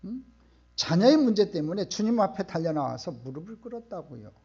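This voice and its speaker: Man, middle-aged pastor, sermon, husky tone, muffled lo-fi church audio. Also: high-pitched, sing-song, brisk. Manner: emphatic, rising to loud outbursts, asks the congregation questions. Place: church sanctuary.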